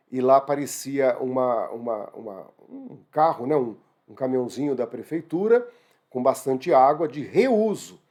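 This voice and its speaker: A man with a Brazilian Portuguese accent teaching an online exam-prep grammar lesson in a lively, exclamatory way. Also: medium pitch. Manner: lively, exclamatory, addresses students as "gente".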